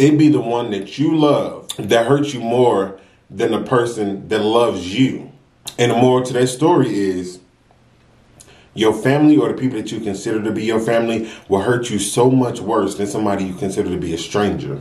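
Audible room echo surrounds a man who talks at a moderate pace with ordinary pitch variation. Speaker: mukbang vlogger. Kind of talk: casual vlog chat.

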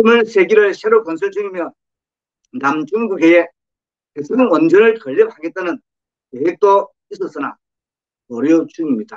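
Over a quiet background, a man speaks with a high pitch and lively intonation. He goes at a fairly slow pace with long, frequent pauses. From South Korea. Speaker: pastor and news commentator; pastor, news commentator. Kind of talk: news commentary monologue; prayer. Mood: earnest, admonishing.

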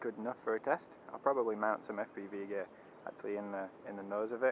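A man talks at a fairly quick pace with a fairly low pitch and fairly even intonation. The sound is dry with no echo, though there is noticeable background noise. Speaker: drone hobbyist reviewer. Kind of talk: casual tutorial commentary. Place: open country. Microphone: phone near.

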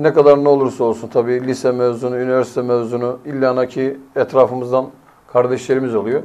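A dark, mellow tone colors the voice. The pace is moderate. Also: man. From Turkey, Kartepe, Kocaeli; Turkey. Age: 40s. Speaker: village headman and association president; talk show guest. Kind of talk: interview. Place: studio. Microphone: lapel.

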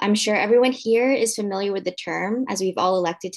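A normal speaking voice with an American accent, fairly quick pace and ordinary pitch variation against a quiet background. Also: woman. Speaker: pharmacist. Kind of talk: conference presentation. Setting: video call.

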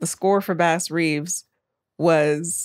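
In an American accent, a woman with very deep, low pitch speaks with fairly even intonation in dry, close sound with no echo. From Houston, Texas. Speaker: film and TV composer. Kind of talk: casual interview.

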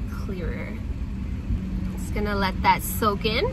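A woman is heard over loud background noise, the sound dry with no echo. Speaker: beauty vlogger. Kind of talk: tutorial. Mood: relaxed, upbeat. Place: car. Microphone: phone near.

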